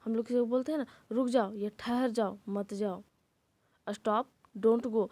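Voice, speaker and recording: A woman teacher walks students through sentences, explaining patiently in Hindi with small fillers. She repeats each English example slowly and carefully. Her voice sits a little high but sounds mellow and soft-edged, recorded dry with no room sound. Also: steady tone, dry recording. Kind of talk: Hindi-English language lesson.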